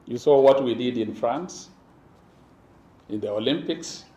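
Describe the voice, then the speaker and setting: A hoarse man giving a formal speech at a launch event, pausing often and drawing in the audience. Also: medium pitch, dark tone. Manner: slow, pausing, audience-engaging. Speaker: government official giving a speech. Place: event venue. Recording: echoey room with faint ambience.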